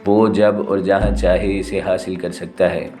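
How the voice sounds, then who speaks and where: A man's voice: deep voice, little pitch movement, warm tone, soft background music, close to an everyday voice. A man voicing a grave, sorrowful tribal chief in an audio story, speaking in a solemn, weary way.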